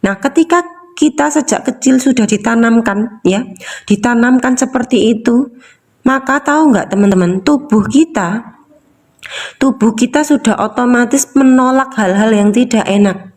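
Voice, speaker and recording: A woman's voice: a little high, normal speed, a little mellow. A woman, a coach who gives a casual teaching talk, repeats herself and asks rhetorical questions. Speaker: emotional release coach.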